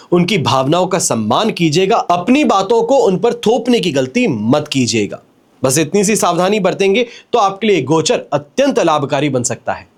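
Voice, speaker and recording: A man speaks as an astrologer addressing his viewers, his pitch sitting a little high and moving a lot through each phrase. He gives his advice in a measured, earnest way. When he reaches a mantra he slows down and chants it. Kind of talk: scripted astrology video address.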